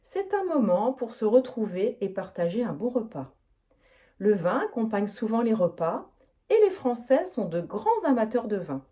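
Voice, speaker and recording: A woman teaching a French lesson, reading questions and answers with clear, deliberate, carefully articulated speech. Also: medium pitch, warm tone.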